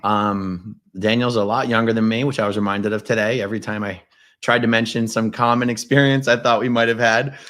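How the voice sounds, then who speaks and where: Deep-voiced man in his forties hosting. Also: a little fast. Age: 40s. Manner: relaxed, conversational, wry asides. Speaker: host. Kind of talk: casual interview. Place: studio with wood-panel wall. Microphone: desk mic.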